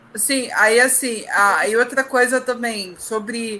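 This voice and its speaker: A woman speaks in a normal speaking voice at a fairly high pitch. Her intonation is fairly even and her pace fairly slow. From southeastern Brazil. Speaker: podcast host. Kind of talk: casual chat. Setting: live stream.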